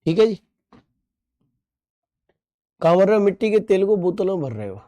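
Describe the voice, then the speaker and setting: A man teaching an online exam-prep lesson, playful and joking with students' comments, drilling terms by repeating them and asking quick questions. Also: sits high, very animated, dark tone.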